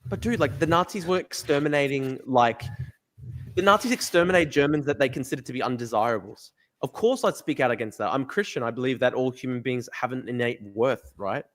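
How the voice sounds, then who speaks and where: An Australian man hosting a live-stream podcast, talking rapidly and emphatically with lots of fillers and restarts. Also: mid-range voice, fairly bright tone. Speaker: podcast host. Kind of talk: live stream chat, reading viewer comments.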